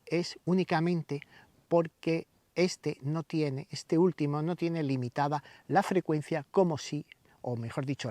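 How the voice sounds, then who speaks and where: Higher-pitched man explaining, dry sound. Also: darkish tone, no echo. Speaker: radio hobby channel host. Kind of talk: explainer to camera, semi-scripted tutorial.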